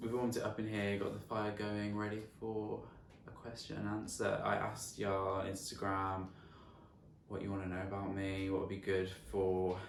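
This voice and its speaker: Audible room echo hangs around a man's fairly low voice. He talks at a moderate pace with flat, monotone intonation. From West Midlands, England (Bromsgrove). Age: 20s. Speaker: lifestyle and fashion YouTuber. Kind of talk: casual Q&A vlog.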